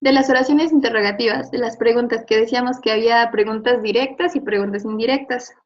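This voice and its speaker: Patient woman teacher reviewing a lesson, slightly high voice, dull recording. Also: fairly even intonation, quick pace. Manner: patient, explains with examples and checks with "¿no?". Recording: dull lo-fi audio.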